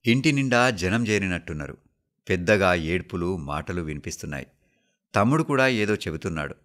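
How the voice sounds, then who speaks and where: A man with a Telangana accent reading a story aloud for the radio in a steady, measured way. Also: low voice. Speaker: story reader.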